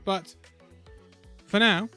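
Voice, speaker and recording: A man who is a little ill and losing his voice gives an opinionated, conversational esports roundup with pauses. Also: pushed and bright, faint music behind. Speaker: esports video host. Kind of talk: casual esports commentary vlog.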